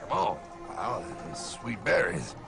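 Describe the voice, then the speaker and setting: Swooping, gravelly streetwise cartoon know-it-all. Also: male voice, medium pitch, very animated, slow pace, full character voice. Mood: sardonic lecturing. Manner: punchy, sarcastic, calls listener pal. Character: brash streetwise male guide, sarcastic know-it-all explainer. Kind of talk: animated cartoon explainer dialogue. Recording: music behind the voice.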